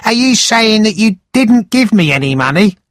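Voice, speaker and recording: A man's voice: very animated, moderate pace, no room sound, studio quality. A man reading a storybook aloud, voicing an honest young male servant who pleads earnestly in a raised voice. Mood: indignant. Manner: earnest, high-pitched pleading.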